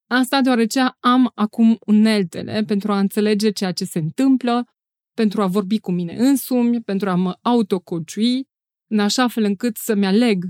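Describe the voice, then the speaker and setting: On a very clean recording with a silent background, a woman with a fairly high pitch talks at a moderate pace with ordinary pitch variation, in a plain, everyday voice. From Romania, Cluj. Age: 30s. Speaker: podcast host and personal development trainer. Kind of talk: scripted podcast monologue.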